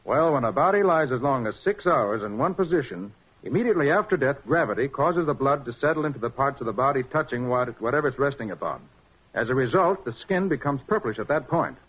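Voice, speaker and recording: A man's voice: mid-range voice, animated, a little fast, a bit bright, husky. A man playing a confident, methodical American master detective in a 1940s radio drama, explaining things precisely and with assurance. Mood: assured, explanatory. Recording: muffled old 1940s radio recording.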